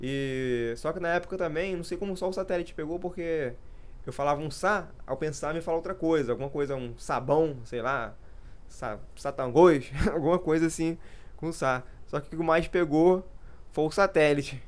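A man's voice: fairly high pitch, moderate pace. A man in his thirties chatting casually in a vlog, rambling and losing his train of thought, poking fun at himself. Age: 30s. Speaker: gaming youtuber.

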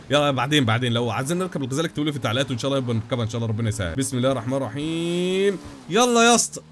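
A young man with an Egyptian Arabic accent giving rapid, animated gameplay commentary with frequent exclamations. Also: a little high, a little hiss or hum. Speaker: gaming YouTuber.

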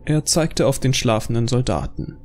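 A man's voice: medium pitch, normal speed, darkish tone, faint music behind. A man reading scripted narration for an audio drama.

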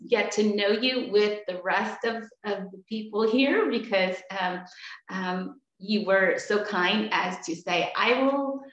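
A woman, an astrology life coach, hosting a video call interview from home, talking slowly with many ums and restarts. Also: a little high, a bit bright. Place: room at home, indoors. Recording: echoey, slightly dull video call audio.

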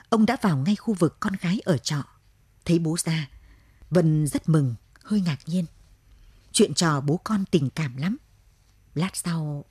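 A woman narrating a radio short story in a steady storytelling manner. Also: fairly low pitch, breathy edge, no echo.

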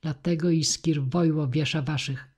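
A woman reading the part of an indignant male warrior in an audiobook, with a husky voice. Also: sits low, fairly even intonation, moderate pace, darkish tone.

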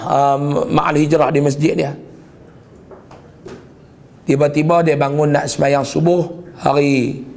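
Gravelly-voiced preacher. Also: male voice. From Malaysia. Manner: intimate storytelling, quoting dialogue with softer lowered voice. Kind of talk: storytelling religious lecture.

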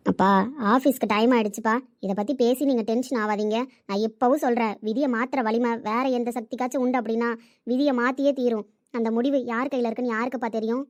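A woman's voice: fairly high pitch, steady tone, quick pace, no echo, muffled recording, close to an everyday voice. A young woman playing a self-sacrificing daughter who pleads with and reassures her father. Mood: pleading. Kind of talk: amateur family drama acting.

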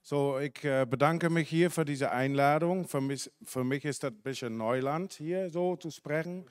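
A man in his forties from the Netherlands, a dairy farmer speaking German with a Dutch accent, giving a halting talk full of fillers and self-corrections into a handheld mic in a conference hall. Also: a little high, clear, resonant tone. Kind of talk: unscripted talk at a symposium. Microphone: handheld microphone.

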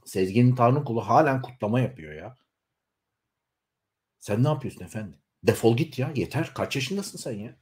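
A man in his forties delivering a heated political rant straight to his viewers, scolding and shaking with anger, his voice swinging up into shouts. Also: medium pitch, expressive, normal speed. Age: 40s. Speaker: YouTuber. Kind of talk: angry political rant to camera.

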